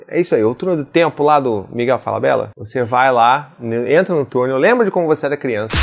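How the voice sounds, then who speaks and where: Fast-talking dad vlogger. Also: male voice, medium pitch. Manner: animated storytelling, acts out dialogue. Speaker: parenting vlogger, father. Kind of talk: casual chat to camera.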